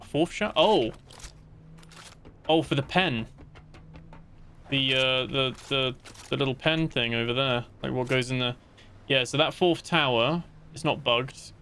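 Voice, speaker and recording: A man's voice: mid-range voice, a little slow, pauses often, bright, forceful tone, a little hiss or hum. A man chatting casually while livestreaming a game, rambling with many fillers and restarts as he talks to his viewers. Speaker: gaming livestreamer. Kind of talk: casual live gameplay chat.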